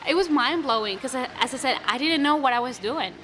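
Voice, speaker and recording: Bright-voiced young woman, second-language English. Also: high voice, a little fast, soft background music. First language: not English. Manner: animated, many restarts and fillers. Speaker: playwright guest. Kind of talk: casual interview answers.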